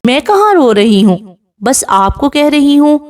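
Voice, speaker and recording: A woman's voice: high voice, big pitch swings, darkish tone, pitched above the performer's own voice. A woman voicing a tearful, sulky young bride who pleads and pouts. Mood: sulky shy. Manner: pouting, teary pleading.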